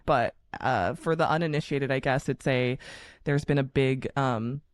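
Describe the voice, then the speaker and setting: A man hosting a podcast interview, upbeat and quick to agree in casual chat. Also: medium pitch, no room sound, clean studio sound. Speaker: podcast host.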